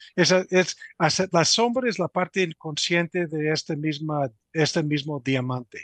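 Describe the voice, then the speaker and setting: Dry and close with no echo, a man with a normal speaking voice talks at a fairly slow pace in a fairly high pitch with ordinary variation. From New York. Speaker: psychologist and author. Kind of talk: radio interview.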